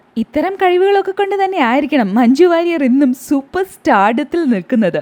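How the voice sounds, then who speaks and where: With noticeable background noise behind her, a woman speaks in very wide pitch swings. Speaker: entertainment news presenter. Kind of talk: entertainment news voice-over.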